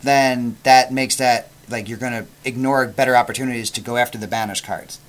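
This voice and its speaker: A man's voice: medium pitch, fairly even intonation. A man co-hosting a casual board game chat, joking and teasing his partner. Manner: joking, quick to tease. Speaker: podcast co-host.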